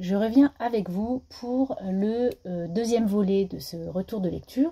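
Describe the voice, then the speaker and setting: Her voice is somewhat breathy. The woman's tone is dark and mellow. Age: 50s. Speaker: book vlogger. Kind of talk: casual chat. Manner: hesitant, many fillers.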